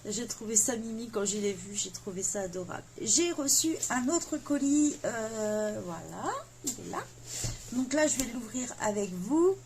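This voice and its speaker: A woman's voice: on the high side, animated, measured pace, a little mellow, a little hiss or hum. A woman, chatting casually as she unboxes gifts, full of fillers and self-mocking asides. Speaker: coloring vlogger.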